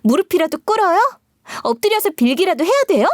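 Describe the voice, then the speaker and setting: A woman's voice: sits high, sing-song, normal speed, darkish tone, no room sound, clean studio sound, pitched above the performer's own voice. A woman voicing a spoiled, pushy young sister-in-law who talks in a wheedling, pouty way in a story read aloud. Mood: indignant.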